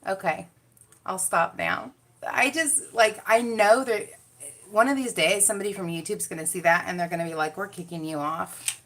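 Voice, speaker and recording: A woman with a medium-pitched, slightly bright voice hosts a beauty livestream, chatting casually and directly with viewers at a moderate pace while doing her makeup.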